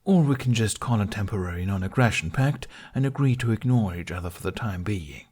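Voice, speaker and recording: A man's voice: on the low side, animated, brisk, a little mellow, slightly rough. A man voicing a sardonic, bossy male black dragon in an audiobook, with dry, blunt retorts. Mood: measured.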